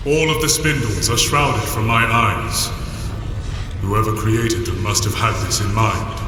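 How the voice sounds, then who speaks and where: A man's voice: lowish voice, fairly even intonation, unhurried, close to an everyday voice. A man playing a solemn, all-seeing guardian god in an audio adventure, with grave, archaic, formal speech. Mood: grave warning. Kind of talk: dramatized audio adventure acting. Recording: cavernous echo, long reverb, background noise.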